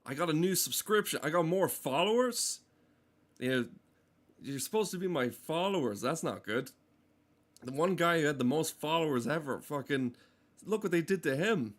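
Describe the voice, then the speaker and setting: Foul-mouthed male streamer, slightly high voice. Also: animated, moderate pace. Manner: foul-mouthed, mock-earnest ranting. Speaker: game streamer. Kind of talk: casual rambling livestream commentary.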